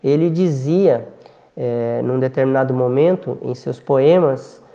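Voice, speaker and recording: Slow, gravelly man giving a reflective lecture. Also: medium pitch, warm tone, muffled recording. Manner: slow, reflective, frequent hesitant fillers. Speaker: spiritist lecturer. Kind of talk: spiritist lecture.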